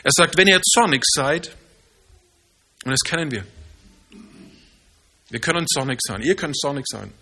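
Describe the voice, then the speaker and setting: A man preaching a sermon in earnest, slowing down to stress key phrases. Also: a little high, lively intonation, sharp tone.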